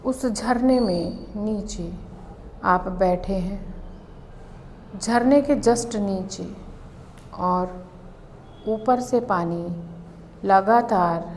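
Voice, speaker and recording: Slow-paced woman guiding a meditation. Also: mid-range voice, a little hiss or hum, low-quality recording. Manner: calm, instructional, in short phrases with long pauses. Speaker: yoga and meditation instructor. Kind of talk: guided meditation.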